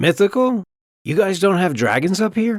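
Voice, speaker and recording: A man's high-pitched, put-on character voice at a moderate pace on a very clean recording, silent background. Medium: read story. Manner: casual, folksy.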